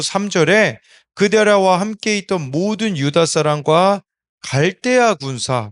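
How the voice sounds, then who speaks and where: High-voiced man preaching a calm devotional. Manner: measured, explanatory, addresses the congregation; sometimes slips into regional dialect speech. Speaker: associate pastor, son of senior pastor. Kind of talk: early-morning Bible devotional sermon.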